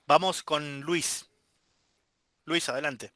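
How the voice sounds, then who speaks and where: A man moderating an online class, briskly organizing the questions. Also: on the high side, fairly even intonation, pushed and bright. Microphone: video call.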